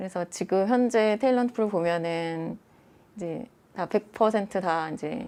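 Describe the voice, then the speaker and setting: A dark, mellow tone with ordinary pitch variation. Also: woman. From South Korea. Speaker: CEO of a career-support startup. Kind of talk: interview.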